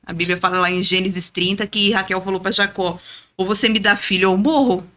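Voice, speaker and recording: A woman in her thirties telling a personal faith story as a podcast guest, earnest and lively, often adding "né?". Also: medium pitch, fairly quick. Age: 30s. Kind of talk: testimony in casual chat.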